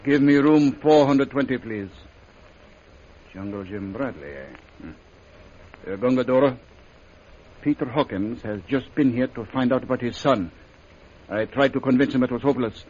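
An actor playing a scheming hunter who leads a secret society, speaking in smooth, formal, falsely polite tones, in 1930s radio drama style. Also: male voice, mid-range voice, moderate pace, pauses often, a little mellow, a little hiss or hum, natural voice. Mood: menacing. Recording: dull old radio recording.

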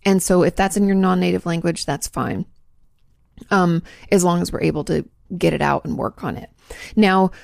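A woman's voice: lowish voice, gravelly, darkish tone, dry recording, studio quality. A woman therapist hosting her own advice podcast, chatting casually and correcting herself as she goes. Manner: chatty, self-correcting, laughs at own slips. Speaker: podcast host, marriage and family therapist. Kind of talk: casual chat answering listener questions.

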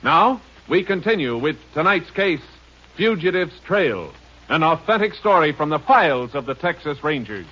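A man's voice: on the high side, sing-song, moderate pace, bright, forceful tone, dull audio. An American man announcing a 1950s radio drama with formal, dramatic delivery. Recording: band-limited vintage radio recording.

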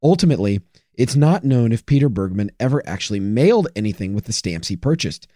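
Man narrating true crime details, mellow dark tone, lively pitch, wry asides. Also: fast talker, dry recording, clean studio sound. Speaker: podcast co-host.

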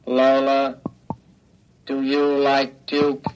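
An actor playing an obedient male robot in an old radio drama, speaking in a flat mechanical monotone. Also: medium pitch, extremely slow. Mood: insistent. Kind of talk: 1940s radio acting. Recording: dull old radio recording with faint hiss.

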